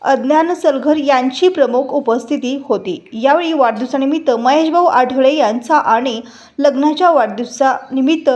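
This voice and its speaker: A woman reads a local news report in a high, bright-toned voice. Her delivery is steady and formal, and she moves evenly through long lists of names and details. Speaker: news reader. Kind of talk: scripted local news narration.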